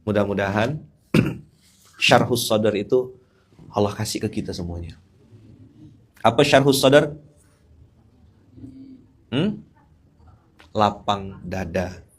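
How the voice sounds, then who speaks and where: A male Islamic preacher, giving a casual, humorous sermon and often asking his audience questions. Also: on the low side.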